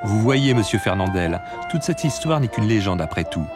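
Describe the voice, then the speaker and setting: A man delivers scripted documentary narration in a deep voice. Music plays behind his words as he guides the listener through the film. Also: lively intonation, normal speed.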